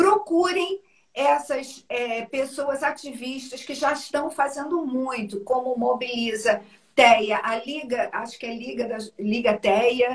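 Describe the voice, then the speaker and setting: A woman speaks very slowly in a high voice with ordinary pitch variation. Her loudness swings widely. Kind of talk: live-stream interview.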